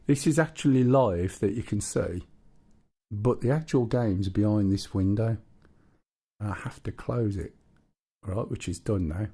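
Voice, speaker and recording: A man's voice: fairly low pitch, unhurried, mellow, husky. A man with a Black Country accent chatting casually while live-streaming a flight game and reading viewer chat aloud.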